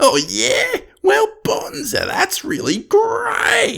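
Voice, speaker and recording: In a put-on character voice with an Australian accent, a man speaks at a very slow pace in an extremely high pitch. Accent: exaggerated Australian. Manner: over-the-top, cheery.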